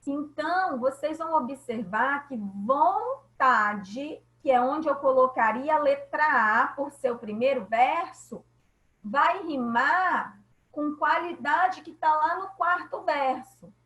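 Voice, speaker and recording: A Brazilian woman teaching a class over a video call, her voice high and her pace unhurried. She explains patiently and keeps checking that students follow. The sound carries the echo of the room she is in. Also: a bit bright. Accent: Brazilian Portuguese. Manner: slow, patient, checks understanding often. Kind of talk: online class lecture.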